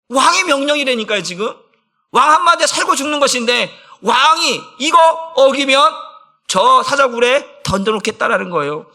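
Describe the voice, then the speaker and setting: A man's voice: high-pitched, bright, forceful tone. A male pastor preaching a sermon with passion, putting many rhetorical questions to his congregation.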